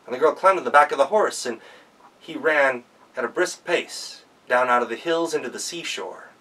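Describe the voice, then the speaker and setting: A male professional storyteller telling a folktale in a gentle, rhythmic way with pauses. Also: mid-range voice, animated, recorded from a distance, low-quality recording.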